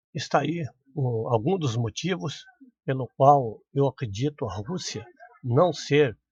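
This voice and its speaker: The speaker is somewhat breathy, with lively intonation, a very slow pace and long, frequent pauses. The sound is dry and close, with no echo. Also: man. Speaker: bible prophecy video maker. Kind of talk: religious commentary video.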